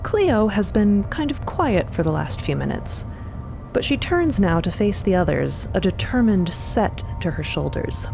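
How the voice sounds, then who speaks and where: A woman narrates a scripted fiction podcast with lively, varied intonation. Her mid-pitched voice sits over a clear music bed. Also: a little slow.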